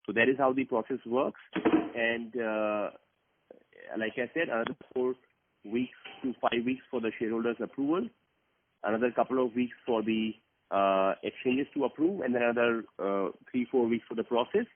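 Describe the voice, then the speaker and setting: A man's voice: medium pitch, steady tone, moderate pace, slight background noise. A man, a company executive methodically explaining a process on a conference call. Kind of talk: explanatory earnings call answer. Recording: muffled narrowband phone conference line.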